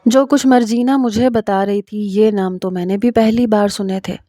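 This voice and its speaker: A woman narrating a first-person story in a steady, even reading voice. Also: mid-range voice, no room sound, clean studio sound.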